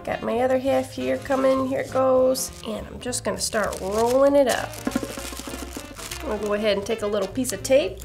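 A woman's voice: sits high, fairly even intonation, moderate pace, gravelly, music in the background. A young woman hosting a children's craft tutorial, bubbly and playful with jokey asides. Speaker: kids' craft show host.

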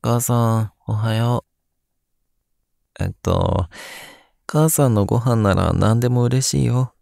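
A man playing a sleepy, grumpy but gentle young man in an audio drama, with a drowsy, gravelly, softly grumbling voice. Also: medium pitch, slow pace, no room sound, studio quality. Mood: soft, affectionate. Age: young adult. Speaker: voice actor. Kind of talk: Japanese audio drama acting.

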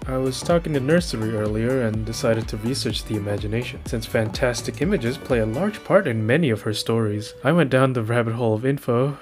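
A man voices an earnest young mage for a comic dub. He talks conversationally in a medium-pitched voice, over faint music. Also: a little mellow, lightly acted. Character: earnest, easygoing young male mage master. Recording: music behind.

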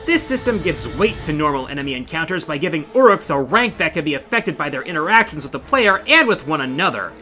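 A man's voice: a little high, very animated, quick pace, hardly any pauses, sharp tone, soft background music. A middle-aged man hosting a countdown in scripted video essay narration, with an emphatic, theatrical delivery. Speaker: video game countdown host.

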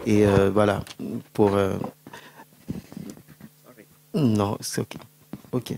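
Flat-toned, halting panel moderator man. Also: on the low side, background noise. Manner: halting, stammering restarts, frequent backchannel. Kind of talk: panel discussion. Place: indoor stage at a public panel. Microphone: handheld mic.

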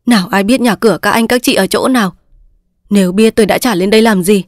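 A woman reading the part of an angry, sharp-tongued old village mother who scolds bluntly, in a dry recording. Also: medium pitch, fast talker, no echo, close to an everyday voice. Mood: reproachful.

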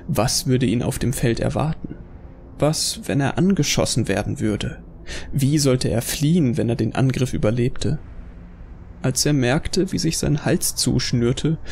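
Casting: male narrator for horror audio drama, creaky mid-range voice, scripted storytelling, faint background noise. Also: mid-range voice, a little mellow.

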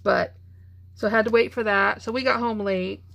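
A woman's voice: medium pitch, fairly even intonation, moderate pace, vocal fry, a bit bright. A middle-aged woman, tired and chatty, gushing over craft supplies in a casual vlog. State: tired, yawning. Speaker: craft channel host. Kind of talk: casual show-and-tell vlog.

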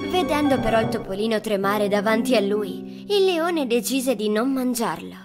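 A woman's voice: on the high side, animated, normal speed. A woman storyteller reading scripted fairy tale narration for children. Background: background music.

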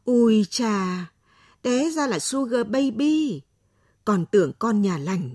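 Give me a woman playing a nosy middle-aged doctor in a radio story. She is brisk and offhand, with a husky tone. Her voice is a little high and dry. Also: very animated, a little mellow, no room sound, exaggerated voice. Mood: brisk, mocking.

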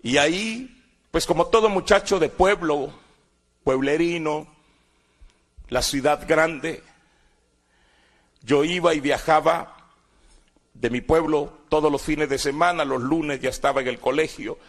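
A man's voice: on the high side, a little slow, pauses often. A man in his sixties with a Guatemalan accent, giving a personal testimony as a dramatic storyteller who acts out the voices of people in his past. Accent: Guatemalan Spanish. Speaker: former guerrilla giving testimony.

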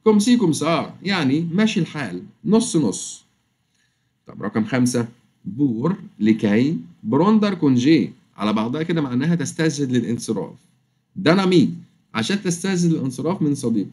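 A man with an Egyptian Arabic accent teaching a French lesson online, drawing the French phrases out slowly before explaining them. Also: mid-range voice. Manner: fast, lively explaining, drawls French words out slowly.

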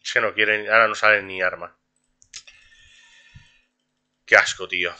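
A man's voice: fairly low pitch, steady tone, normal speed, sharp tone. A young man streaming a game live, complaining and swearing about his bad luck, repeating himself and ending lines with "tío". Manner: frustrated, complaining, swears a lot. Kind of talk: live gameplay commentary.

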